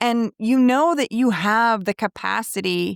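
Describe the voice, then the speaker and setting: An animated woman's voice with an American accent, dry and close with no echo. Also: very clean recording, silent background. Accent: New York, slight, stronger when excited. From New York. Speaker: podcast host and women's business coach. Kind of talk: solo podcast monologue. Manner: conversational, animated.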